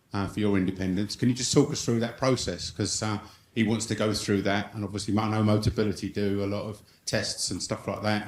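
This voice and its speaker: Low, flat-voiced man in an echoey room. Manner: friendly, rambling, repeats himself. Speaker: parent asking a question. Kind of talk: audience question.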